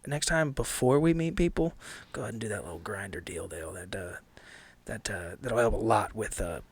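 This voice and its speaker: A man playing a blunt, weary, world-worn character in a tabletop game, talking in a halting, informal, profane way. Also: fairly low pitch, animated, slightly rough, voice pushed down. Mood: weary, explaining.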